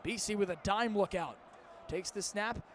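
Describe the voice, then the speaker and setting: A young American man in his early twenties doing energetic, vivid live play-by-play of football on the radio. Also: high voice, normal speed, a little hiss or hum. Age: early 20s. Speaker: play-by-play announcer.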